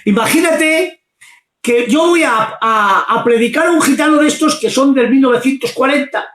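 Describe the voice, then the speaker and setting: A man preaching fervently, often shouting his exclamations. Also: very high voice, normal speed, reverberant. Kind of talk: impassioned preaching.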